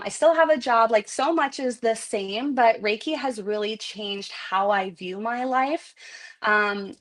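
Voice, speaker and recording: Chatty woman with a higher voice. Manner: chatty, heavy use of "like" fillers. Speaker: Reiki master teacher, guest. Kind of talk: casual podcast conversation.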